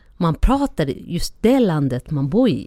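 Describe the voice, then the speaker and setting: A woman with a Somali accent speaks in a dark, mellow tone. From Somalia. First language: Somali (speaking Swedish). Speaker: health scientist and community activist. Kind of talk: interview. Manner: halting.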